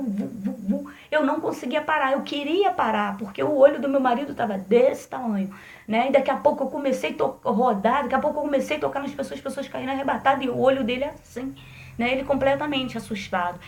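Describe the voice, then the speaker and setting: A woman's voice: high-pitched, gravelly. A middle-aged woman pastor preaching a sermon, telling her own story and addressing the congregation as brothers and sisters. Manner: testimony-style preaching, addressing listeners as brothers.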